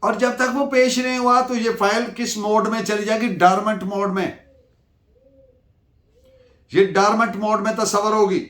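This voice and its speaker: An echoey recording of a Pakistani man with a high-pitched voice, lecturing in a didactic way. He poses questions, answers them himself and dictates references as a teacher does for note-taking. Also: little pitch movement, moderate pace, pauses often, a bit bright. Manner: didactic, poses questions then answers them, switches between Urdu and English. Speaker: law lecturer. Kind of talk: lecture with case-law dictation. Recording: echoey room sound.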